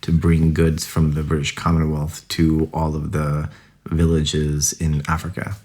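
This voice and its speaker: A man's voice: a bass voice, monotone, a little slow, a little mellow. A young adult man from the United States, a podcast guest chatting casually about his family, rambling with lots of "like"s. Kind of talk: casual interview storytelling.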